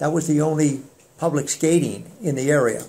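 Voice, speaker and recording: Speaking at a moderate pace, a man with an American accent has a fairly high pitch and a somewhat breathy, dark, mellow tone. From Boston. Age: 80s+. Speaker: bicycle race announcer. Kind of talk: interview answer. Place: shop. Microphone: camera far.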